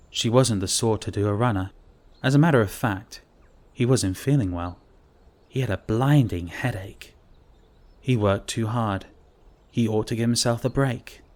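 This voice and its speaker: A man narrating a scripted story for an audiobook in measured, deliberate short phrases. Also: fairly low pitch, darkish tone. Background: music.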